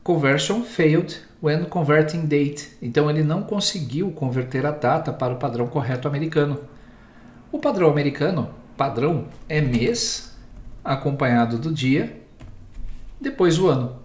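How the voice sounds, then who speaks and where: A man with a Brazilian Portuguese accent, giving a screen-recorded software lesson and explaining each step in a steady, patient way. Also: fairly high pitch, normal speed, echoey room. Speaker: instructor.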